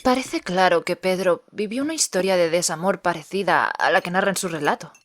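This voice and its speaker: Actress as a speculating dinner companion for audio drama, lower female register, cutlery sounds. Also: brisk, natural voice. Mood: confident.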